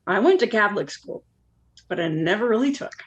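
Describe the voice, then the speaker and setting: A woman playing a jilted, world-weary Catholic woman confessing in a one-act play, candid and rueful with deadpan asides. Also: mid-range voice, brisk, husky, highs cut off. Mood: wry, reminiscing.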